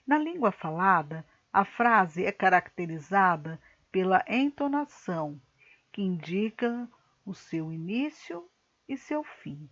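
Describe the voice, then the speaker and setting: A woman teacher with a Brazilian Portuguese accent, reading a grammar lesson slowly and carefully to her class. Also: mid-range voice, big pitch swings, a bit bright, dull audio. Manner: slow, careful explanatory reading. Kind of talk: recorded online grammar lesson.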